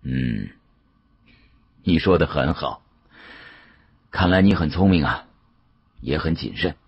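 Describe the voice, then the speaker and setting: A genial older government director, played by a male audiobook narrator, speaking in a very deep and husky voice. He is unhurried and shrewd, probing in a patronising way. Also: expressive, no room sound, dull audio, heavily acted.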